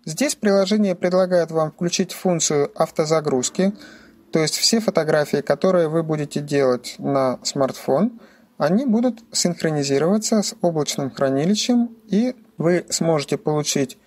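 A man's voice: fairly high pitch, expressive, moderate pace, darkish tone. A man giving scripted instructional narration as a tutorial presenter, explaining things methodically, step by step.

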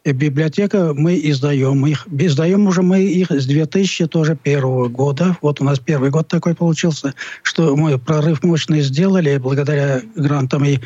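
A man from Tatarstan answering as an interview guest, explaining his library's work in an earnest, halting, self-correcting way. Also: on the high side, warm tone, no echo. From Tatarstan, Russia. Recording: dull, muffled lo-fi audio.

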